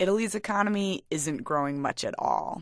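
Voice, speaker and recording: A woman's normal speaking voice at a medium pitch with lively intonation, on a very clean recording with a silent background. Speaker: radio reporter. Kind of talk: public radio news reporting.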